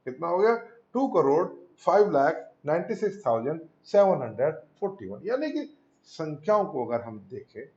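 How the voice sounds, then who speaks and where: A man's voice: on the high side, sing-song, normal speed, darkish tone. A male school maths teacher giving a patient classroom lesson, asking and answering his own questions and calling his students "beta", with Indian English number words. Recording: roomy, dull lo-fi classroom recording.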